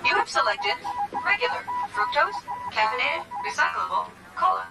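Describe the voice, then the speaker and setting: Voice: high-pitched, huge pitch swings, moderate pace, over loud music. An actor voicing a chirpy female automated vending machine, reciting formulaic service prompts in a sing-song manner. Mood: chirpy, polite.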